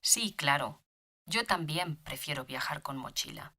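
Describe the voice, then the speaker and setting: A woman reading simple scripted dialogue for a beginner language lesson, clear and lively. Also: sits low, measured pace.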